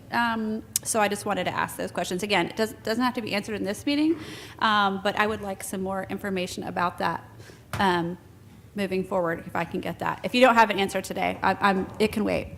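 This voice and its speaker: A woman on a school board raises a question in a meeting room, speaking hesitantly with frequent restarts and ums. She talks into a table microphone, and a faint background noise hangs under her voice. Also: medium pitch. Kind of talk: asking questions in a public meeting.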